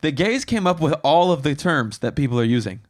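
A man's voice: on the high side, big pitch swings, fairly quick. A man co-hosting a casual podcast chat, teasingly quizzing his co-host on slang.

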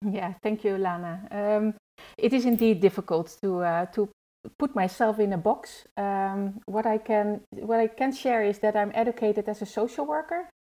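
Mellow-voiced woman, hesitant. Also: mid-range voice, normal speed, poor audio. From Netherlands. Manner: hesitant, searching for words. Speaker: youth trainer and guest. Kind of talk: podcast conversation.

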